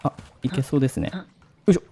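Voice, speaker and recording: A man's voice: a little high, quick pace, dark tone, breathy edge. A man giving casual horror game commentary, thinking aloud and asking himself questions. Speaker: gaming commentator.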